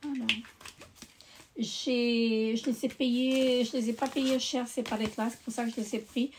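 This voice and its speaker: A woman's voice: on the high side, steady tone, a little slow, background noise. A woman beauty vlogger chatting casually while showing her makeup, with lots of hesitations and restarts. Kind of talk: casual chat.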